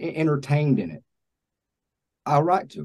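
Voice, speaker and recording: Speaking in an Appalachian accent, a man has a fairly high pitch. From Hazard, Kentucky. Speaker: music composer. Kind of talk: casual interview.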